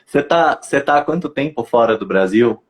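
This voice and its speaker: A man's voice: mid-range voice, animated, moderate pace. Brazilian man hosting a casual interview. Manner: conversational, asks long framing questions. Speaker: host, English teacher.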